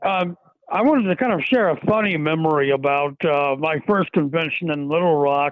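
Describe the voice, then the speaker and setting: A man's high-pitched voice in an American accent, with ordinary pitch variation and a moderate pace. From Georgia, US South. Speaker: longtime convention attendee. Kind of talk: casual storytelling in group chat. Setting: Zoom call.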